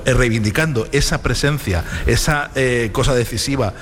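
A man's voice: mid-range voice, normal speed, a bit bright, slight background noise. A man who speaks politely but persistently, with stammered restarts, as a panelist in a roundtable debate.

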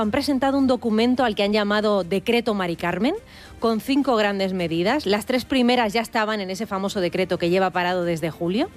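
A woman from delivers a scripted news report. Her voice sits in the middle of the range, and her delivery is measured and clear. Faint music plays underneath. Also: medium pitch. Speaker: radio reporter.

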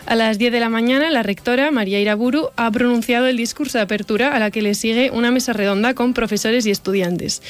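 Young woman reading radio news, kinda high voice, brisk, soft music under it. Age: young adult. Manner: bright, brisk reading with light laughs. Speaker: student radio presenter. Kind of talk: scripted radio news report.

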